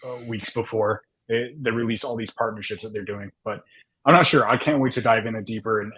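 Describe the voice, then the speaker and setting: A man's voice: fairly low pitch, a bit bright, husky, poor audio. A man in his twenties co-hosting a casual podcast, rambling through explanations with many restarts. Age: 20s. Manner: rambling, lots of restarts and fillers. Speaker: podcast co-host. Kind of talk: casual finance discussion.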